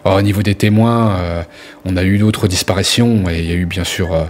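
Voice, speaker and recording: A man's voice: low-pitched, steady tone, a little fast, a little hiss or hum, natural voice. A man voicing a plump, obliging, anxious innkeeper in his fifties in a tabletop roleplaying game, speaking hesitantly and repeating himself. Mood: worried. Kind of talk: improvised tabletop roleplay dialogue. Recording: music playing under the voice.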